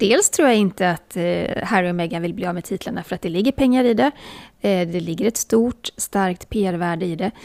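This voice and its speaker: Here a woman with an unremarkable speaking voice talks at a moderate pace in a medium pitch, using lively intonation. The recording is very clean with a silent background, and the sound is dry and close with no echo. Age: middle-aged. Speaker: royal news podcast host. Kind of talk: casual chat.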